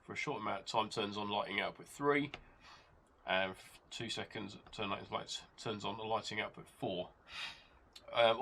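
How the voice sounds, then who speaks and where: A low, gravelly man, nose stuffed up from a cold, talks through a hobby gadget in an easygoing, step-by-step way. He is in his workshop, and rain and the hum of a model engine are clearly heard behind him. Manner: explains step by step, relaxed, with hesitations. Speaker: channel host reviewing a hobby gadget. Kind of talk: casual product demonstration. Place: home workshop with rain outside.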